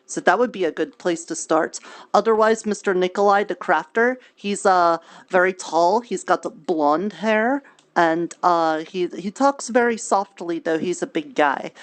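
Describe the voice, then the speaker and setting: A woman roleplaying an earnest, naive, cheerful young preacher, talking in a halting, childlike way with folksy grammar. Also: medium pitch, natural voice. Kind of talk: improvised virtual reality roleplay.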